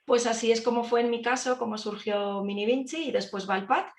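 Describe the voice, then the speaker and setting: A woman's voice: fairly high pitch, a little fast. A woman speaking as a panel guest, presenting her projects in an earnest, rhetorical way. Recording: echoey room.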